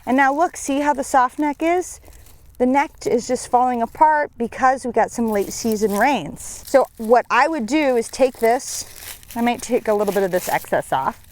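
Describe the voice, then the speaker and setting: A woman's voice: fairly high pitch, normal speed. A young woman giving a chatty, upbeat gardening tutorial outdoors on a farm. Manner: chatty, self-deprecating, upbeat. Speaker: seed company gardener.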